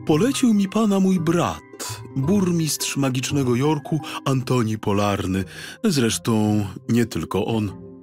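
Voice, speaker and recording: A man's voice: mid-range voice, lively intonation, takes it slowly, a little mellow, soft background music, voice pushed up. A man voicing a courteous, assured female polar bear president in a children's audiobook. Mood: assured, official.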